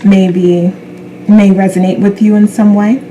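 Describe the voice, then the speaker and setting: A woman speaking as a spiritual self-help influencer, giving an unscripted card reading in a gentle, affirming way with unhurried pauses. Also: mid-range voice, little pitch movement, highs cut off, slight background noise. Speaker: tarot card reader.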